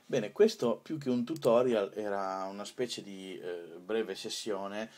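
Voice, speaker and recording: A man walks listeners through a software screencast. His voice sits on the low side. He talks informally and makes it up as he goes, hesitating and stretching out his pauses. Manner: hesitant, improvised delivery with drawn-out pauses. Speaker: tutorial presenter.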